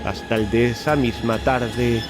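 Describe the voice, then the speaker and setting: A man's voice: medium pitch, fairly even intonation, measured pace. A man reading scripted, dramatic horror narration as the narrator of an audio drama. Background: loud music.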